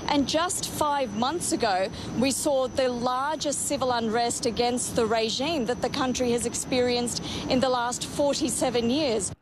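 A woman foreign correspondent reporting in a crisp, authoritative way. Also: high voice. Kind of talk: news report. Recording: outdoor city and traffic noise.

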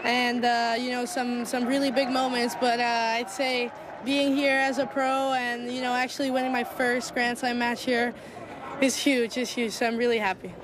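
A woman's voice: fairly high pitch, flat delivery, normal speed, crowd noise. An eighteen-year-old woman from Italy, a tennis player, answering upbeat with frequent fillers. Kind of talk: casual interview. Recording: outdoor street noise.

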